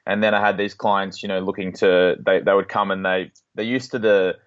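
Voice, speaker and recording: An Australian man talks as a podcast guest, relaxed and full of ums and restarts. His voice sits fairly low. It comes through a dull, lo-fi line that cuts off the top end. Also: normal speed. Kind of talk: casual interview talk.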